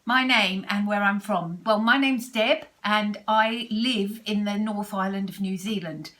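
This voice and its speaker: British woman, 60s, sewing vlogger; chatty, rambling, mid-pitched, casual to camera. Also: a little slow, a bit bright. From Britain. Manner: chatty, rambling, with restarts and asides.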